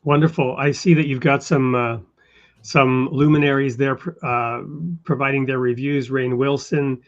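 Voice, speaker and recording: Male interview host, measured and thoughtful, mid pitch, dull lo-fi sound. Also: little pitch movement. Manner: measured, thoughtful with frequent fillers. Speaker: show host. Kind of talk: interview conversation.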